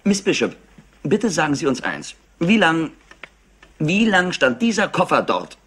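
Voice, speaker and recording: An actor playing a clever, overexcited and smug rich nephew in a German crime drama, talkative and theatrical. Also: male voice, on the high side, wildly swooping pitch, measured pace, fairly bright tone, husky, exaggerated voice. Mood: eager, theatrical. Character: highly intelligent, overexcited, smug nephew of an industrialist. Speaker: actor dubbing a suspect. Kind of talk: German crime drama dub, animated acting.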